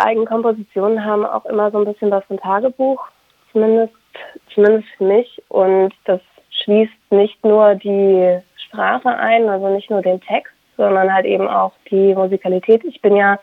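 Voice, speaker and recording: A young Ukrainian-speaking woman living in Germany, a singer and violinist, gives thoughtful interview answers and pauses to search for words. Her voice is medium-pitched and creaky, heard dry with no room sound over a tinny, phone-like line.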